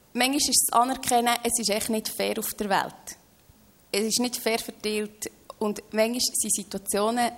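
This is a woman with a Swiss German accent, a guest in a faith-based talk. She speaks earnestly and encouragingly, her voice pitched slightly above the usual for a woman. She often starts her points with a bright little "hey".

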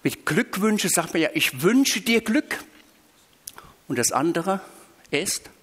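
Animated preacher in a hall. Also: male voice, high voice, husky. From Switzerland. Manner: lively, emphatic delivery with drawn-out stressed phrases. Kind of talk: sermon. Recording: reverberant hall.

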